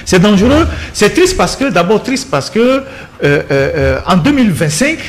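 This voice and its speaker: Man, high and very animated voice; indignant commentator who hammers his points on a debate panel. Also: moderate pace, a little hiss or hum. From Togo. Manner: indignant, insistent, repeats words while building a point. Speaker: political commentator.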